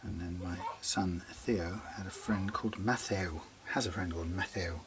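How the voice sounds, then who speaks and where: A man talking casually through a guitar setup in his workshop, rambling and chatty, muttering quietly as he works. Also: low-pitched, fairly even intonation, normal speed, noisy background. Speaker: guitar repair demonstrator. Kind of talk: casual workshop how-to talk.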